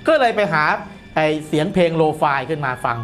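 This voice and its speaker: A middle-aged man with a notably high voice chats casually as a guest commentator. He talks quickly and colloquially, repeating phrases to drive points home, with music behind him. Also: expressive, fairly bright tone. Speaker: guest commentator on a horror show. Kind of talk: casual explanatory studio chat. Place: indoor studio, seated at a desk.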